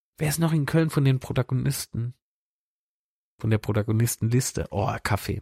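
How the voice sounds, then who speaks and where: A man of medium pitch, somewhat breathy, at a moderate pace with ordinary pitch variation, in a dry, close sound with no echo on a very clean recording with a silent background. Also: long, frequent pauses. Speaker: filmmaker podcast host. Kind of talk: casual chat. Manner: animated, many fillers.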